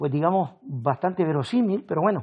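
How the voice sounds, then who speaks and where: A man's high-pitched voice with ordinary pitch variation, at a moderate pace. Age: 60s. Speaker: regional health minister. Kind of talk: TV interview.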